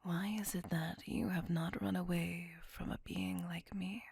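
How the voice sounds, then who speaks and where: A woman's voice: lowish voice, little pitch movement, creaky, darkish tone, slightly rough, dry recording, exaggerated voice. A woman whispering as a tormented centuries-old vampire. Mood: brooding menace. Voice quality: whispered throughout. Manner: slow, brooding, intimate. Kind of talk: ASMR audio roleplay.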